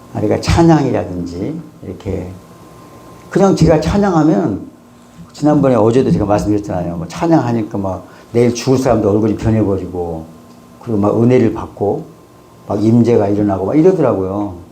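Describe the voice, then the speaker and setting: With audible room echo and noticeable background noise, a man with a fairly low pitch and lively intonation talks at a fairly quick pace broken by long, frequent pauses. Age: 60s. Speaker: pastor. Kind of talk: sermon.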